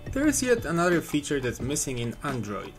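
A man's voice: fairly high pitch, huge pitch swings, a little fast, music in the background. A young man narrating a scripted, upbeat walkthrough of phone apps as the channel's reviewer. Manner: upbeat, clear product walkthrough. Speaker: app reviewer.

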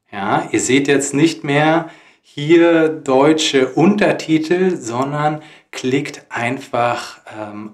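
A man hosting a German lesson, speaking slowly and carefully to learners. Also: medium pitch, roomy sound. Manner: deliberate, careful phrasing for learners. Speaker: German teacher, host. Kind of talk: slow, clear teaching talk to learners.

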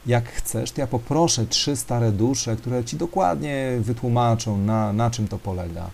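A man's voice: medium pitch, measured pace, vocal fry, a little mellow, a little hiss or hum. A man voicing God in a spoken parable, patient and kindly as he explains. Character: patient old male God figure.

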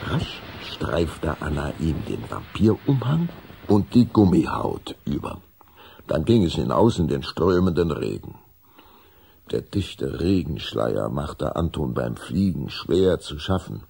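A man's voice: a bass voice, gravelly, darkish tone, husky. A man narrating a scripted children's story for a radio play.

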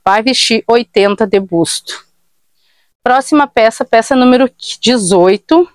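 A woman's voice: fairly high pitch, measured pace, dry recording. A woman in her thirties from Brazil, chatting casually to viewers as she shows and prices used clothes in a small shop. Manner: chatty, tag questions, addresses viewers. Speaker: online thrift shop seller. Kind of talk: casual live sales pitch. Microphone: fixed camera at mid distance.

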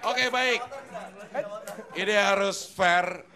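A man's voice: high-pitched, drawn-out words. A middle-aged man hosting a stand-up comedy show on stage, joking and teasing the comics. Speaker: host. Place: TV studio stage with live audience. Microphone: handheld mic. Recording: loud crowd and music behind. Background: loud audience laughter and music.

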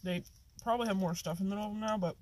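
A man's voice: high voice, steady tone, racing, a little mellow, a little hiss or hum. A man rambling casually in a food vlog, talking through a mouthful of food, recorded on a phone mic in a small room. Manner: rambling, filler-heavy, offhand. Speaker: vlogger.

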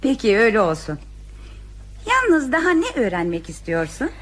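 Old radio play: teasing, motherly nurse, high voice with a lively melody. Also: moderate pace, full character voice. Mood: explaining. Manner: firm and affectionate, fond of teasing. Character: teasing, motherly hospital nurse, adult woman. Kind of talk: old radio drama acting.

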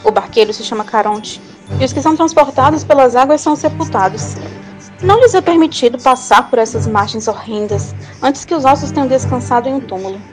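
A woman's voice: high voice, lively intonation, brisk. Woman acting a solemn Brazilian prophetess, music behind. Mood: grave. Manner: solemn, declamatory.

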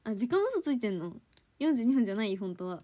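Streaming from home, this young idol chats easily with viewers, her Kansai accent showing as she flips between dialect and standard Japanese and giggles often. She speaks quickly in a fairly high, very animated, warm voice.

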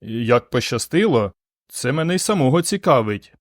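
A man voicing a weak, dazed young astronaut who talks slowly and faintly in an audiobook. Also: mid-range voice, very animated, no echo, studio quality, close to an everyday voice. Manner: slow, faint.

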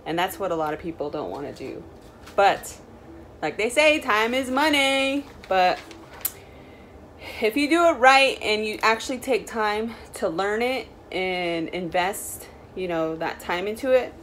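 A woman's voice: mid-range voice, expressive, a little slow, a bit bright, a little hiss or hum. A young woman with a Native American reservation accent, talking in a casual, informal, rambling vlog style. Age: young adult. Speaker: vlogger. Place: small room indoors.

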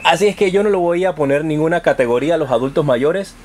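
A man's voice: on the high side, fast talker, a little mellow. A man hosting an informal tarot horoscope, addressing viewers directly in an affectionate, encouraging manner. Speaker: tarot reader and channel host.

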